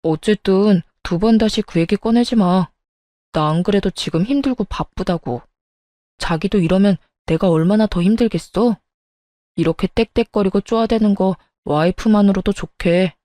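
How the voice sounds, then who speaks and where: A woman's voice: mid-range voice, normal speed, mellow, no room sound, close to an everyday voice. A woman playing a curt cheating husband. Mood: dismissive. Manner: curt, dismissive. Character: cheating husband, dismissive and self-serving. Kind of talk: story narration with acted voices.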